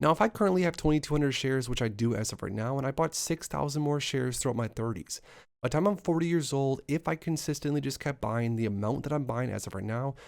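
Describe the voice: On a very clean recording with a silent background, a man talks fast at a medium pitch, with lively intonation and vocal fry.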